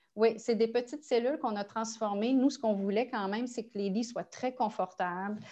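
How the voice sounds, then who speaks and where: The background stays quiet. A woman talks in a dark, mellow tone. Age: 50s. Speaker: nonprofit executive director. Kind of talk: interview. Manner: hesitant, with frequent repetitions.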